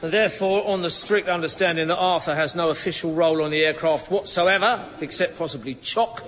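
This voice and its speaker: A man's voice: on the high side, fairly quick, background noise, lightly acted. An actor playing a pompous male safety examiner who gloats over his trainees. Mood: gloating.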